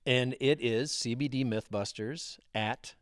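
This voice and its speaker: A man's voice: mid-range voice, a little slow, smooth, dry recording, studio quality. A middle-aged man co-hosting a podcast in casual chat, rambling with lots of fillers and restarts. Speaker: podcast co-host.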